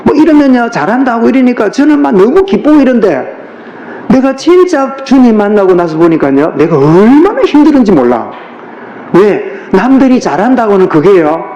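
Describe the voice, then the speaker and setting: A middle-aged man preaches a sermon with a Gyeongsang accent, his fairly high voice rising and falling with great liveliness. He talks in a homely, colloquial way and keeps putting questions to his listeners. The sound is roomy and muffled, like a lo-fi recording in a church sanctuary. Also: dark tone. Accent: Gyeongsang Korean. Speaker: pastor.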